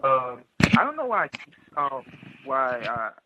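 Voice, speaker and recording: A man's voice: medium pitch, very animated, measured pace, noisy background. A man calling in to a book discussion, speaking earnestly and with disapproval. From New York. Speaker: caller. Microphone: phone. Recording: tinny dry phone line.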